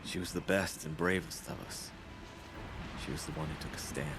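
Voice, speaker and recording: A man's voice: very deep voice, fairly even intonation, normal speed, very noisy. A man playing a good-natured, earnest tribal hunter in a video game cutscene. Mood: subdued, sad. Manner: mild, earnest. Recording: prominent music behind the voice.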